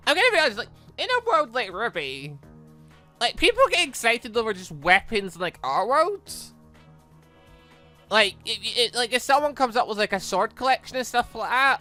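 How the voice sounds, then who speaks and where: A gaming video host doing rambling let's play commentary and reading a visual novel aloud, in an animated way. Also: medium pitch. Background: game music.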